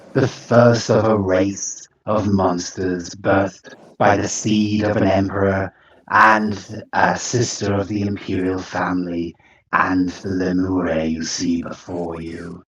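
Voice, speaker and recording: A man voicing a female winged creature who hisses and schemes, speaking slowly and menacingly. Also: low-pitched, flat delivery, lo-fi sound. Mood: sinister.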